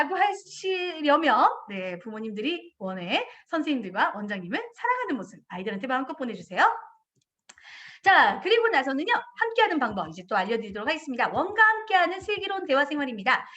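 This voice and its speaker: Lively high-voiced woman giving a parenting lecture. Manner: animated, acts out children and parents in quoted voices.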